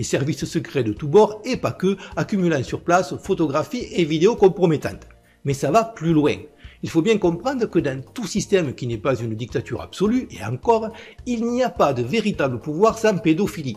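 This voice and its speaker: With music in the background, the speaker keeps a moderate pace while the pitch swings very widely. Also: man, high pitch for a man. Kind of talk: political commentary monologue.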